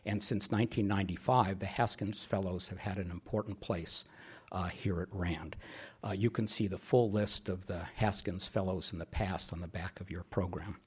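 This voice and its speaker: A middle-aged man with a fairly low, husky voice makes a podium speech as host. He delivers a formal introduction, halting and deliberate.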